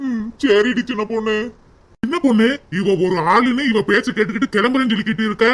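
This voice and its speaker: Performer doing an exasperated cartoon brother, reproachful, mid-pitched. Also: fast talker, natural voice. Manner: reproachful, shouting at times. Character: exasperated brother and husband, torn. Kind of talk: cartoon family drama voicing.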